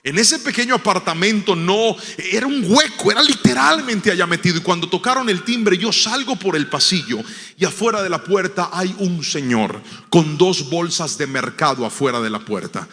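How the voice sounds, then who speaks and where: A man preaching a sermon. He tells a story, dropping to a hush and then rising to loud, emphatic declarations. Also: high-pitched, animated, normal speed, long reverb tail. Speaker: pastor.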